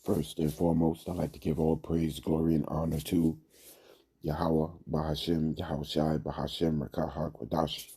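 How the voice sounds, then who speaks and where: A man giving an informal religious lesson, hoarse from a cold, talking in a drawl with many fillers. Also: a bass voice, little pitch movement, normal speed, dark tone. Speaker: religious teacher.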